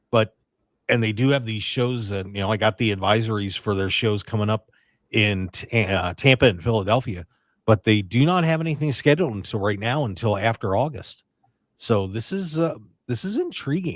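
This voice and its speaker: A man with a normal speaking voice, medium pitch and lively intonation at a moderate pace, dry and close with no echo. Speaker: radio show host. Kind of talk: radio talk show discussion.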